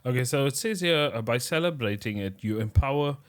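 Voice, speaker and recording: A man's voice: medium pitch, lively intonation, brisk, smooth. Easygoing South African man podcaster. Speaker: podcast co-host. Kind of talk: casual chat.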